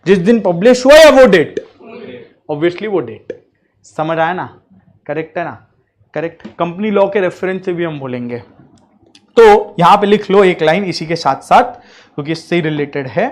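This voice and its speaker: A man's voice: sits high, animated, moderate pace, pauses often. A man teaching a law class, mixing in English terms and often checking that the class follows. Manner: mixes English terms into speech. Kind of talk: classroom lecture.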